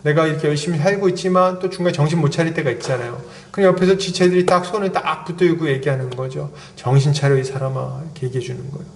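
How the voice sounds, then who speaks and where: Animated man preaching in an echoey hall. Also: fairly high pitch, racing, few pauses. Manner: animated, acts out little dialogues, chuckles. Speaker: pastor. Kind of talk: expository sermon. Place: church sanctuary.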